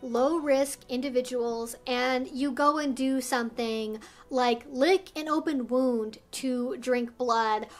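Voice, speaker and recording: High-voiced woman giving an explainer. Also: a bit bright. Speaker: video host and educator. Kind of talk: instructional talk to viewers, semi-scripted.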